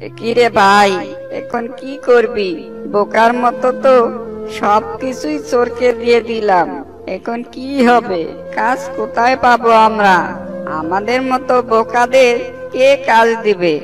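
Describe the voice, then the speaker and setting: A man's voice: very high voice, measured pace, over music. A man voicing a foolish, hapless male jackal in a cartoon, with a fretful, whiny way of talking. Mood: despairing. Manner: fretful, lamenting.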